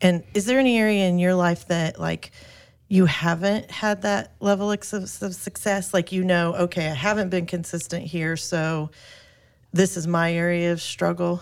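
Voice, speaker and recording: A normal speaking voice from a woman, fairly low in pitch, at a moderate pace. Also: fairly even intonation. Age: 40s. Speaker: podcast co-host. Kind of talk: casual chat.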